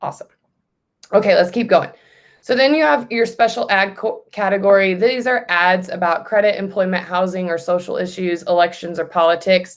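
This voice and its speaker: A woman's normal speaking voice at medium pitch, with ordinary pitch variation and a fairly quick pace. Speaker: real estate team trainer. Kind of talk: tutorial. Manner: casual.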